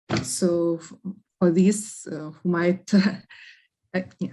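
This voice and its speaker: A woman speaks at a medium pitch with ordinary pitch variation. Her tone is dark and mellow and somewhat breathy. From Lithuania. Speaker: refugee aid coordinator. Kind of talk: academic presentation. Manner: halting.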